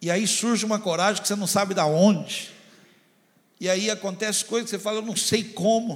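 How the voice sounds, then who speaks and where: In a room with audible echo, a man talks at a fairly quick pace in a high voice. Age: 50s. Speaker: pastor. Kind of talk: sermon. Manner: animated.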